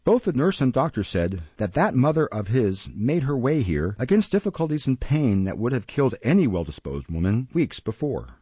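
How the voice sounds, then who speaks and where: A man's voice: medium pitch, very animated, normal speed, few pauses, warm tone, breathy edge, no room sound, highs cut off. A man voicing a pompous, stern parish beadle in an audiobook, declaiming emphatically. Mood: grave, pompous. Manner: declamatory, emphatic, deferential "ma'am".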